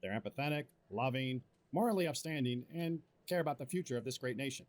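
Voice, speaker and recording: A man plays a smug schemer in an audio drama, speaking at an ordinary male pitch. He speechifies with open condescension and contempt for those he discusses. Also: expressive, fast, lightly acted. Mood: contemptuous.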